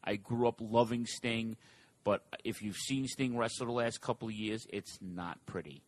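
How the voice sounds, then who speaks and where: A man co-hosting a casual talk show, reading listener questions and giving his opinions in an animated, offhand way. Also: lowish voice. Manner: animated, fast asides, reads listener questions. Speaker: podcast co-host.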